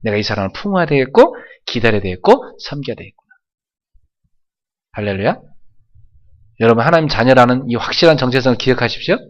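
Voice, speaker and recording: A man preaching a sermon in a church, prompting the congregation to answer and repeat after him, dropping to quiet asides and then rising to loud exclamations. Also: mid-range voice, lively intonation, quick pace, long pauses, muffled recording. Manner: emphatic preaching with call-and-response prompts. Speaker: pastor. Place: church sanctuary.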